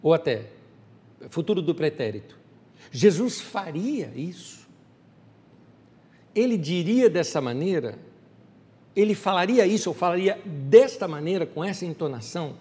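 A male pastor delivers a lively sermon, his fairly high voice rising and falling in wide swings. He speaks directly and familiarly to his listeners. A long reverb trails behind every phrase. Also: a little slow, long pauses. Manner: animated preaching, talks straight to the listener.

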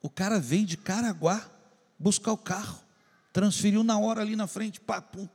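A man preaching to a congregation with a high, gravelly voice. He tells his story by acting out his prayers and conversations. A long reverb rings around him in a large church hall. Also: moderate pace, a little mellow. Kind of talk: sermon testimony to a congregation.

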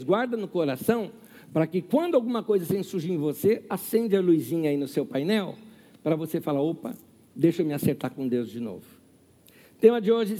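A man's voice: high-pitched, dark tone. A man preaching a sermon as pastor to his congregation, with rhetorical questions and acted quotes. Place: church hall. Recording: long hall reverb.

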